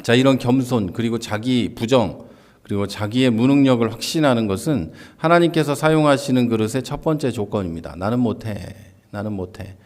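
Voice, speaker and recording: A man's voice: mid-range voice, expressive, brisk, a little mellow. Man giving an explanatory Bible lecture. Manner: explains step by step, often starting a point with "자"; acts out quoted lines with livelier voice.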